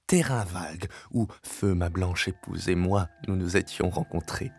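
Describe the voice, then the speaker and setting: A man playing a deep, brooding, obsessive widower. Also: slight background noise. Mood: solemn, grieving. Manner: solemn, deliberate, often sinking into breathy whispers. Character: obsessive, vengeful widower, grandiloquent, haunted by his lost wife. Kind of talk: dramatic monologue, literary audio fiction. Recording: binaural recording with music.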